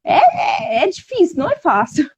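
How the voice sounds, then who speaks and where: A woman's voice: high voice, moderate pace, dry recording, dull audio. A woman chatting casually as a guest on a live stream, acting out conversations with her daughter. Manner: animated, acts out talks with her daughter.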